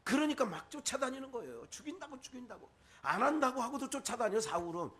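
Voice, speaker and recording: A man's voice: very high voice, very animated, fast, a bit bright. A male pastor with a Chungcheong Korean accent, preaching a sermon full of rhetorical questions and quoted asides.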